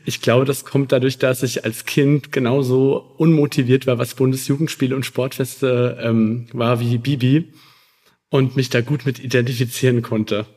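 A man's voice: medium pitch, little pitch movement, moderate pace, darkish tone. Male guest with mid-range voice. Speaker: podcast guest. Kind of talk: casual chat.

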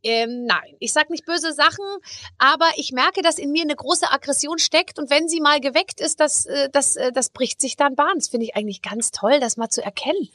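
A woman's voice: high voice, moderate pace, sharp tone, dry recording, studio quality. A woman in her forties hosting a podcast, bantering in a playful, teasing way with hesitant fillers. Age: 40s. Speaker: podcast host. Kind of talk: casual interview chat.

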